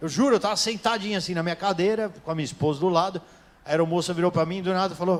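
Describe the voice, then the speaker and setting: High-pitched man at a very fast pace with fairly even intonation. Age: 30s. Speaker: stand-up comedian. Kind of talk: stand-up. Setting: stage with audience.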